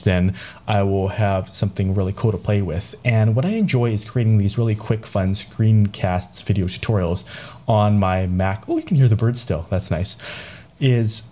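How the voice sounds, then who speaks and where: A man's voice: on the low side, normal speed, mellow. A man hosting a casual home tech tutorial, talking playfully while fiddling with a handheld recorder at his desk. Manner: chatty, playful, talks while fiddling with gear. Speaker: tutorial host. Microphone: handheld portable recorder.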